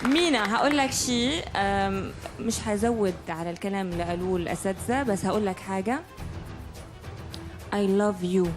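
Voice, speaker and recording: A woman's voice: mid-range voice, a little fast. A woman with an Egyptian accent, bantering playfully as a talent show judge. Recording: loud music and audience.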